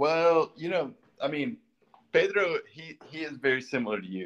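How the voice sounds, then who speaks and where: With an American accent, a man talks in very wide pitch swings. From US South, Kentucky. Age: 30s. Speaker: travel writer. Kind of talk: casual chat.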